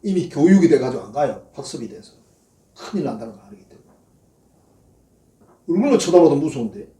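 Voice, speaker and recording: A man preaching, telling folksy stories and acting out the prayers he quotes. His voice sits fairly high and swings widely in pitch, with a mellow, warm colour. He is heard from a distance in an echoey church sanctuary. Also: sing-song, a little fast. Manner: folksy storytelling, acts out quoted prayers in a mocking voice. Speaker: pastor. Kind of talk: sermon.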